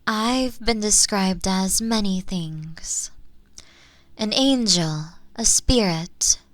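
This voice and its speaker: Woman acting as a calm ethereal spirit lady, really slow soft asmr talk, super dry close sound, kinda formal n protective. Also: medium pitch, dry recording. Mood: serene, wry. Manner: slow, soothing, deliberate, formal phrasing, trailing into breathy near-whispers. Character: gentle otherworldly female spirit, ageless, calm and protective. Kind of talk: scripted comforting audio roleplay, soft ASMR delivery.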